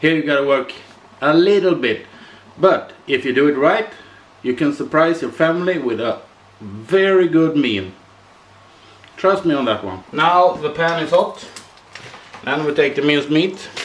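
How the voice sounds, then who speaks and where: Over noticeable background noise, a man with a fairly high pitch speaks with lively intonation and long, frequent pauses. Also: moderate pace. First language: Swedish. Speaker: home cooking youtuber. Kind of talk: cooking tutorial. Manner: halting, with frequent hesitations.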